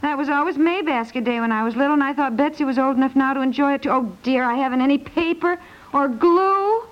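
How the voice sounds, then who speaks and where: A woman playing a brisk, fussing American wife and mother in 1950s radio comedy, chatty and insistent. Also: sits high, close to an everyday voice. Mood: flustered, eager. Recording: dull 1950s radio recording.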